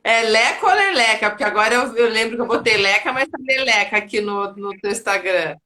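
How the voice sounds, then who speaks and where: A woman's voice: fairly high pitch, expressive, a little fast, bright, forceful tone. A Brazilian woman hosting a casual live sports chat, chatty and playful, laughing easily. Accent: Brazilian Portuguese. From Brazil, raised in Paraná.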